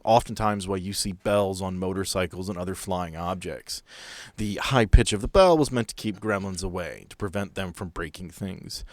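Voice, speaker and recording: A man's voice: low-pitched, no room sound. A man acting as game master, narrating scenes in a descriptive storytelling way for a tabletop podcast.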